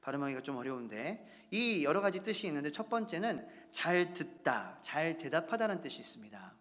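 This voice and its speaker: A man's voice: fairly high pitch, a little fast. A man in his thirties, a pastor, preaching a Sunday sermon and acting out little quotes. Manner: animated preaching with acted-out quotes. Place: church sanctuary. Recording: long church hall reverb.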